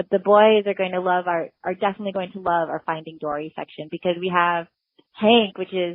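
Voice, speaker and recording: A woman speaks with an American accent. Her pitch is medium and her pace moderate. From California (Sacramento). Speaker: ice show skater. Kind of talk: podcast interview. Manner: lively.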